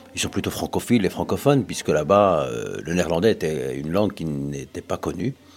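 A man speaks at a fairly quick pace in a very deep, low voice. His pitch swings very widely. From Brussels, Moroccan-Belgian family. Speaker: interviewee. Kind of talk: interview. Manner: halting, repeats words.

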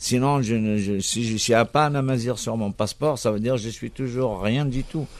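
A man at medium pitch keeps a moderate pace with hardly any pauses and fairly even intonation. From Kabylie, Algeria. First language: Kabyle (speaking French). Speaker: singer. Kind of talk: radio interview. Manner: halting.

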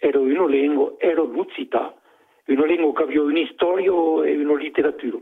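Moving at a very slow pace, a man speaks with lively intonation. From Rouergue, southern France. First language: Occitan (speaking French). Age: 70s. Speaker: author. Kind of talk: interview. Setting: phone call.

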